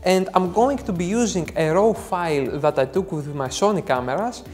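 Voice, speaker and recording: A man's voice: high-pitched, a little mellow, faint music behind. Greek-accented man teaching photo editing. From Greece. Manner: earnest, step-by-step explaining with frequent "uh" pauses. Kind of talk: software tutorial narration. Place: dark studio indoors.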